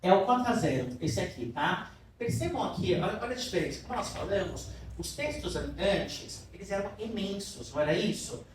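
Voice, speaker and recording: In a cultural center classroom, a man teaches a literature class, often checking in with his students and asking them questions, clearly fond of them. His voice is high-pitched and expressive at a normal pace. The room is very echoey, he sounds far from the mic, and there is faint noise.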